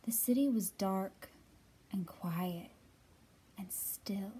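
A woman's voice: medium pitch, drawn-out words, dark tone, slightly rough. A woman in her thirties hosting a storytime for young children, speaking expressively as she talks and reads aloud. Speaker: children's library storytime host. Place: library room with bookshelves, indoors.

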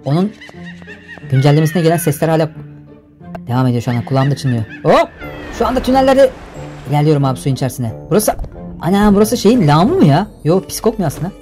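Young man, gaming commentary, fast talker, exclamatory, slangy. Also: a little high, sing-song, a little mellow, faint music behind. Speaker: gaming YouTuber. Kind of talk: excited game commentary.

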